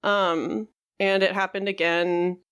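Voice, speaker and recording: A woman co-hosting a podcast, talking frankly in a halting way with many fillers. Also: mid-range voice, little pitch movement, fairly bright tone, clear, resonant tone. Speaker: podcast co-host. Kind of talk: candid conversational podcast talk.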